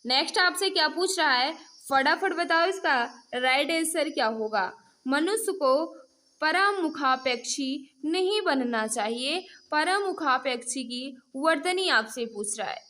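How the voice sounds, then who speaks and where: A woman with a high-pitched voice leads an exam-prep quiz. She speaks straight to her learners as friends, reading questions and prompting them again and again for the answer. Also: lively intonation, unhurried, sharp tone. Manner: repetitive prompting, addresses learners directly as friends. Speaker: teacher hosting an online exam-prep class. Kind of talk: interactive mock-test lesson, quizzing viewers.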